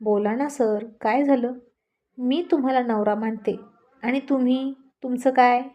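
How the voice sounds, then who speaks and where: A spirited young wife, earnest and quick to talk back, voiced by a woman narrator. Her lines ride a bit higher than the narration. It is a storybook reading. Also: fairly even intonation, muffled recording, lightly acted. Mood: challenging. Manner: earnest, pleading, argumentative.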